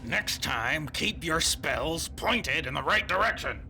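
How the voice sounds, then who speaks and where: An actor playing a brash, boastful young warrior who talks in an impatient, blustering way. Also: male voice, on the high side, lively intonation, slow pace, creaky, very noisy, heavily acted. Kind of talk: audio drama acting.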